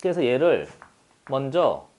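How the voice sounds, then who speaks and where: A man teaching math banters and teases, repeatedly asking students if they agree. His medium-pitched, darkish voice has huge pitch swings and an unhurried pace, with slight background noise.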